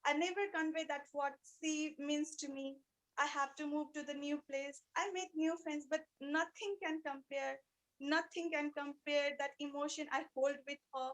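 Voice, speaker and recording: High-pitched woman giving an earnest speech. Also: little pitch movement, fairly bright tone, rough recording. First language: not English. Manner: earnest, emotive, deliberate with repeated phrases. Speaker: speech club participant giving a practice speech. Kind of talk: rehearsed personal storytelling speech.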